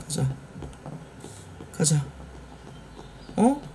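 Excitable man streaming, swinging pitch. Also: very slow. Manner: swearing, excitable, shouts at wins. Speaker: game streamer. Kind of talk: casual live game streaming. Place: small indoor streaming room. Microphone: desk mic in gaming chair, webcam framing.

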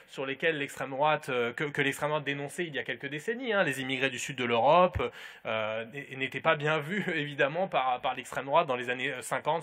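Bright-voiced man on a conference panel. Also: a little high. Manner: thoughtful, many restarts and fillers. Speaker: panel speaker.

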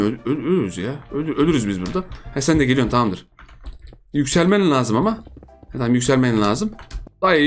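A man giving casual, excitable commentary over his own video game, often repeating words in quick bursts. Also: mid-range voice. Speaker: gaming YouTuber.

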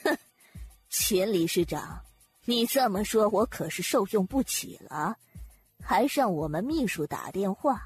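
A woman acts an imperious, indignant wife of a powerful man in an audiobook drama. Her husky voice is cold, haughty and sarcastic, over faint music. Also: mid-range voice, expressive, measured pace.

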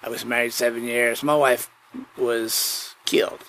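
A man rambling casually through a solo podcast monologue, halting and digressive, often repeating himself. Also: medium pitch, level tone, a bit bright. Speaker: podcast host. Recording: clearly noisy background.

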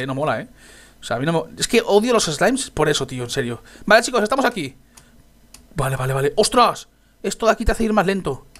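Young guy yelling through a minecraft parkour map, high jumpy voice, music faint behind. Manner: excitable, yelps and laughs at falls. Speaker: Minecraft let's player. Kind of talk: gameplay commentary.

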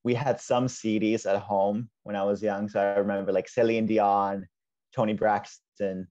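Low dull-toned young Finnish man. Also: moderate pace. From Finland. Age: 20s. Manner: relaxed, lots of like and you know. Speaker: guest. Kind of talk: casual interview chat. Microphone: earbud mic on a video call. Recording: dull lo-fi video call audio.

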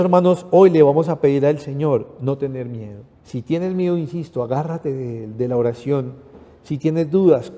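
A man's voice: mid-range voice, warm tone. A man with a Panamanian accent reading the Gospel and preaching a homily, earnest, building his points through repeated emphatic appeals. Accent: Panamanian Spanish. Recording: long hall reverb.

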